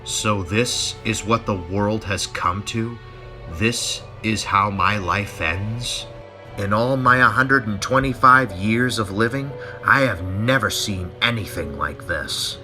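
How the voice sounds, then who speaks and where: A man voicing a kind, very old male steam engine in a soft, earnest manner. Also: fairly low pitch, slow pace, soft background music, full character voice. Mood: despairing.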